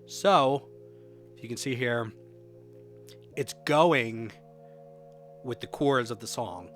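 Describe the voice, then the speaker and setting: A man giving a casual software walkthrough as a music production tutorial presenter, thinking aloud informally as he demonstrates. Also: medium pitch, slow pace.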